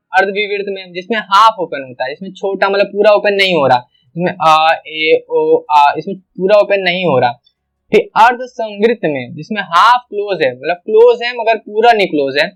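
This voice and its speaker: A man's voice: sits high, a bit bright. A man teaching an online exam-prep grammar lesson, explaining step by step and repeating each sound aloud as an example.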